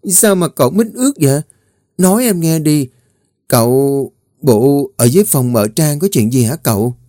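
A man's voice: animated, normal speed, warm tone, dry recording, clean studio sound, close to an everyday voice. A man voicing a playful, teasing young maid in a spoken story, in a raised, bubbly voice. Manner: high, bubbly, scolding teasing.

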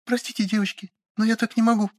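A man putting on a high gentle young noblewoman. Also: little pitch movement, fast, no room sound, clean studio sound, natural voice. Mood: earnest. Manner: soft, earnest, kind. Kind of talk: audiobook character voice.

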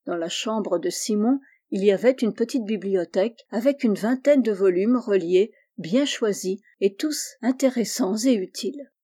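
A woman audiobook reader narrates a classic novel from a script, calm and measured in a mid-range voice.

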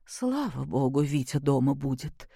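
A woman voicing a tired older woman who speaks quietly and reproachfully. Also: a bass voice, big pitch swings, a little slow, creaky, husky, dry recording, studio quality, pitched below the performer's own voice, exaggerated voice. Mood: weary. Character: weary older woman, grandmother.

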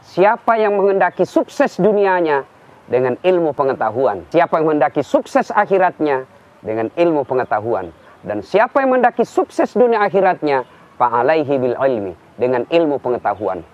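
A man's voice: on the high side, normal speed. A man giving a televised Islamic sermon, telling stories with humorous examples. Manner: lively storytelling preacher, humorous examples. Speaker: Islamic preacher. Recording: dull lo-fi recording.

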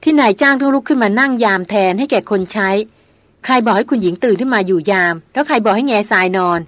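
A gruff grown man, a jungle hunter who talks low, short and stern, as a woman reader puts him on. The storybook delivery is close and dry, with no room sound around it. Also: expressive, fast, no room sound. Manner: curt, stern. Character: gruff adult male jungle hunter, curt.

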